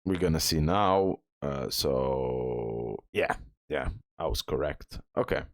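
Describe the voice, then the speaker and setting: A man with a deep voice talks slowly through a video game guide. His delivery is casual and unhurried, as if thinking aloud. The sound is close and dry. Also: expressive, no room sound. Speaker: gaming guide creator, host. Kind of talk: casual gameplay walkthrough commentary.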